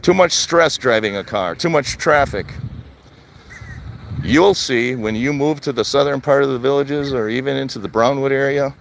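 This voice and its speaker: Walking outdoors in a retirement community, an older vlogger from Wisconsin talks on a live stream in a plain, conversational way, repeating himself. His mid-range voice is creaky yet fairly bright, his pace moderate, with a bit of hiss or hum in the recording.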